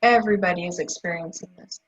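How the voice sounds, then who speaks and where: A woman in a tapping session who repeats affirmations and then describes her feelings in a soft, hesitant way. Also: lowish voice, quick pace, lo-fi sound.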